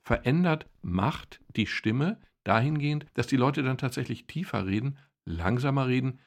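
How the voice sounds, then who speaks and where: Gravelly, emphatic man. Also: mid-range voice, lively intonation, moderate pace. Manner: emphatic, argues firmly, repeats "nein". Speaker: podcast co-host. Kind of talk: casual chat.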